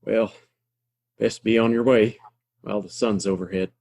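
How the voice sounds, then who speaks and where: Man playing a husky, folksy frontier townsman. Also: fairly low pitch, steady tone, moderate pace, darkish tone. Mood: warm, practical. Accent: American. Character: folksy, steady frontier townsman, kindly and wry. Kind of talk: Western audio play acting.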